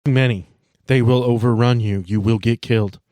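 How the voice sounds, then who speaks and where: A man's voice: medium pitch, fairly even intonation, moderate pace, a little mellow, no echo, natural voice. Man playing an urgent, folksy local woman, dry sound. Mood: urgent warning. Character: stern, fearful local woman warning a traveler.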